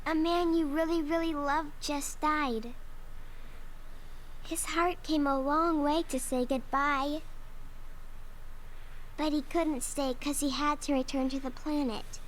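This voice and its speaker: A woman's voice: high voice, fairly even intonation, takes it slowly, long pauses, a little hiss or hum, low-quality recording. A female actor playing an earnest little girl with uncanny foresight in a dramatic video game. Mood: gentle, sad.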